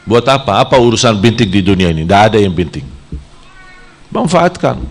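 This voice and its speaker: A man from Saudi Arabia, preaching a sermon in a lively style whose pitch jumps high when he plays out temptations. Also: moderate pace.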